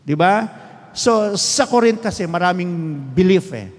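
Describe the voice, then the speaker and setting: High-voiced Filipino pastor preaching in a hall. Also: male voice, measured pace. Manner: animated preaching, asks the congregation for responses. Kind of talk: sermon. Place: church hall.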